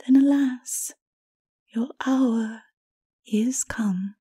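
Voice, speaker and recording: Woman playing a breathy, solemn holy woman. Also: a little high, mellow, exaggerated voice. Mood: sorrowful warning. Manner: solemn, measured, pleading. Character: solemn, sorrowful holy woman, gently stern and righteous. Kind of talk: dramatic audiobook reading, dark fantasy.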